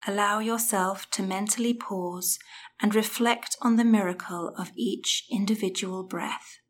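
A woman guiding a breathing meditation in a soft, soothing voice that often drops to a whisper. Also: medium pitch, slight background noise. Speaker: meditation guide.

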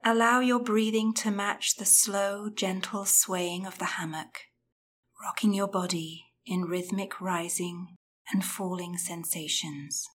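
A woman guiding a breathing meditation in a soft, soothing voice that often drops to a whisper. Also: medium pitch, steady tone, slow, slight background noise. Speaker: meditation guide.

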